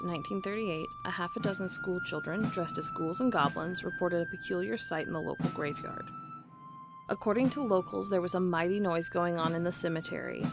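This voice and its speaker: A woman's voice: lowish voice, gravelly. A woman playing a wry, curious investigator who records a log and reads old case files in an audio drama.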